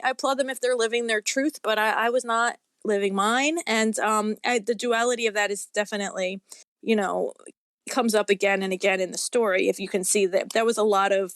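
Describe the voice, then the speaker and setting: A woman with a medium-pitched voice talks as a guest author in a casual interview. She is candid and reflective, phrasing things informally. The recording is very dry. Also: dry recording.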